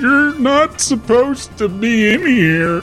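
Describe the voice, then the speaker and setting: Over clear background music, a put-on character voice pitched fairly high speaks at a fairly slow pace. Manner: confused, mumbling.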